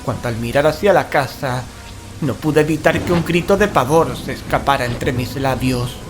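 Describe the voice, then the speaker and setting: An actor playing a frightened male paranormal investigator delivers dramatic first-person horror narration and radio-play dialogue in an anxious, ornate, dread-laden way, with a mood of tense dread. His natural, mid-range voice moves at a moderate pace, backed by dramatic music, rain and thunder.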